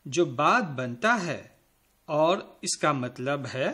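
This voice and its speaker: A man giving a recorded school lesson, his voice sitting a little high and rising and falling in a lively way. He speaks straight to the pupils in a patient, friendly tone. He slows down to spell out each word one letter at a time. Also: husky. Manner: slow, careful spelling out of letters; addresses pupils directly and kindly. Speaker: teacher.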